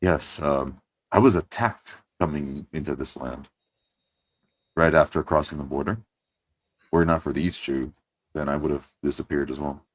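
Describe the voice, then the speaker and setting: Tabletop aristocrat adventurer, acted by a male player: extremely deep voice, dry close sound, stiffly polite. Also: no echo. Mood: grave. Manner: formal, stilted, measured politeness. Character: formal, courtly nobleman adventurer from a foreign house.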